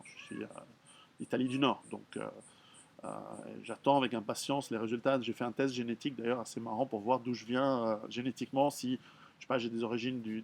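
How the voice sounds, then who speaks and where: This is a middle-aged man, talking things through in a loose, unscripted way. His pitch sits in the ordinary middle range for a man, and he speaks frankly and bluntly, often stopping to restart a sentence. A faint hiss runs under the voice. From Switzerland. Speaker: author answering readers' questions. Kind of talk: casual spoken monologue.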